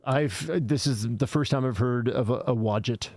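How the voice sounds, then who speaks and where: A man co-hosting a casual livestream, jumping in with quick enthusiastic remarks. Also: mid-range voice, darkish tone, no room sound, clean studio sound. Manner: quick eager interjections, enthusiastic. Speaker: co-host.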